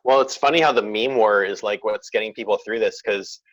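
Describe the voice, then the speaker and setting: A man appearing as a guest on a casual podcast, talking in an animated way, laughing as he goes and slipping into playful mimicry. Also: lowish voice, a little fast, no echo. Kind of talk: casual chat. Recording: dull lo-fi dry sound.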